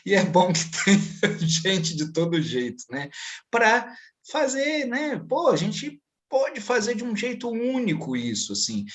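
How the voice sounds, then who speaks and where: A man, talking in a casual panel conversation, blunt and profane, telling animated stories. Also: on the high side.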